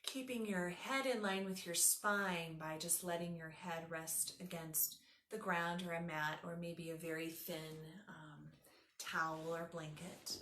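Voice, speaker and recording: A yoga teacher with a fairly low, steady voice leads a guided meditation, offering gentle step-by-step relaxation instructions. Her delivery is soothing and unhurried, and a clearly roomy echo surrounds her voice in the recording.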